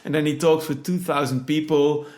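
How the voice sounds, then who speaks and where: A man's voice: a little high, steady tone, moderate pace, a little mellow. A man hosting a casual interview, asking curious questions and often searching for his words. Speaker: podcast host.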